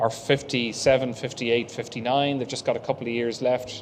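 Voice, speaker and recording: A man with an Irish accent speaks over noticeable background noise. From Ireland. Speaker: airline executive. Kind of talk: on-stage interview. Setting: stage with audience. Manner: fast.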